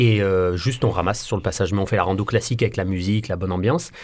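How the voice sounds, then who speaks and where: A very fast, somewhat breathy man's voice in a very clean recording with a silent background. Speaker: association founder, litter cleanup activist. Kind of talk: casual radio interview. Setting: radio studio.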